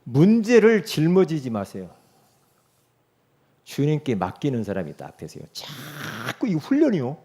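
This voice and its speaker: Middle-aged male pastor, sermon delivery, emphatic, lively sing-song pitch, slightly high voice. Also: moderate pace, husky. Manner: emphatic preaching with rhetorical questions, swinging from loud to soft.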